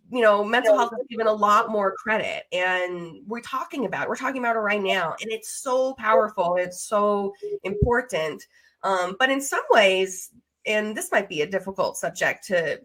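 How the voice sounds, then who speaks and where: An American woman in her thirties talking conversationally on a podcast, with an emphatic, expressive manner. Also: on the high side, poor audio.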